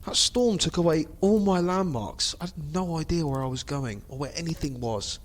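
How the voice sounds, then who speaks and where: A man playing a frightened, freezing fugitive wanderer in an audio drama, halting and melodramatic. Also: fairly high pitch, close to an everyday voice. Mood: relieved, weary. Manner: halting, breathy, melodramatic exclamations. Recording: noisy background ambience.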